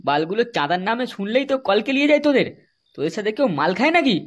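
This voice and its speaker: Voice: medium pitch, big pitch swings, rapid-fire, close to an everyday voice. A performer voicing a scornful village drinking buddy in a comedy cartoon, foul-mouthed and mocking, with a West Bengal accent. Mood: sneering. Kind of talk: amateur comedy cartoon dialogue.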